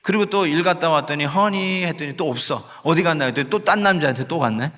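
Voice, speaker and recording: Bright-voiced man preaching in a reverberant sanctuary. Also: on the high side, animated, quick pace. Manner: conversational, mixes in English phrases; acts out quoted sighs and pleas. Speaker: pastor. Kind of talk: sermon. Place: church sanctuary. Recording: long hall reverb in a sanctuary.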